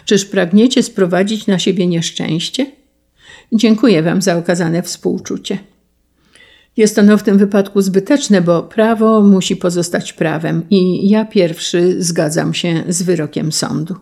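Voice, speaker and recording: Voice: mid-range voice, steady tone, measured pace, gravelly, a little mellow. A reader voicing a proud young count who gives up his name and estate, dignified and firm in an audiobook reading.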